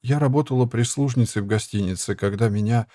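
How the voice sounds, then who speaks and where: A man's voice: mid-range voice, fairly quick, dark tone, no echo, clean studio sound, close to an everyday voice. A man voicing a frail, timid young girl who pleads in a raised voice, in an audiobook reading. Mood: pleading.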